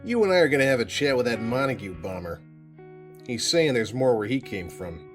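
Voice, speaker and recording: An actor playing a brusque police boss who hands out orders curtly. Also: male voice, mid-range voice, expressive, fairly quick, soft background music, close to an everyday voice. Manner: gruff, dismissive, curt. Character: brusque middle-aged male police boss.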